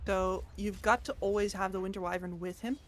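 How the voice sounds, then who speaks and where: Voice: mid-range voice, fairly even intonation, fairly quick, a bit bright, a little hiss or hum. An esports color commentator explaining hero and item choices in analytical commentary.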